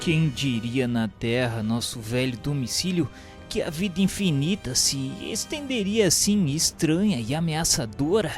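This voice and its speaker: An actor playing a reverent, earnest spirit pupil who narrates a radio drama in a solemn, declamatory, literary style. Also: male voice, a little high, expressive, measured pace. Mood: solemn wonder. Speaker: narrator character. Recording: echoey, long reverb. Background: music.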